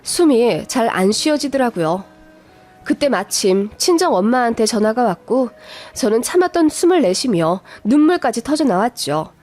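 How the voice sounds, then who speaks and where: A woman's voice: on the high side, very animated, normal speed, a little mellow, soft background music. A young woman narrating a scripted radio story in a confiding, exasperated manner.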